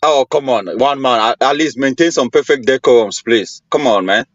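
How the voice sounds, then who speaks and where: A man's voice: medium pitch, normal speed, no echo, highs cut off. A man from Cameroon, a guest in a heated debate, deflecting questions defensively. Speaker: panel guest.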